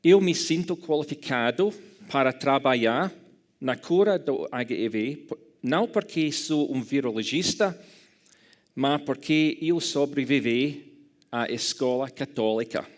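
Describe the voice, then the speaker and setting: Slow, careful Scottish man lecturing. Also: medium pitch, expressive. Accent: Scottish English speaker speaking Portuguese. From Scotland. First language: English. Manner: careful, halting delivery with self-corrections. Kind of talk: academic lecture in a second language.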